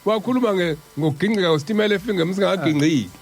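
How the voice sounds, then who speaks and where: A man's voice: high voice, rapid-fire, soft background music. A South African man telling accounts conversationally as a talk show panelist. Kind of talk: conversational storytelling.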